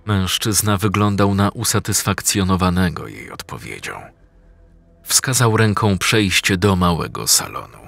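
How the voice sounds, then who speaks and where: Brief: slow ominous Polish male narrator, husky yet bright. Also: low-pitched, animated, no room sound, faint music behind. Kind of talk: scripted horror narration.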